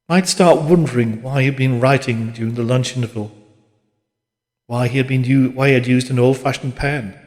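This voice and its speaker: A man reading literary fiction as an audiobook narrator, in a measured, dramatic manner. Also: medium pitch, darkish tone. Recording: long reverberant hall-like echo.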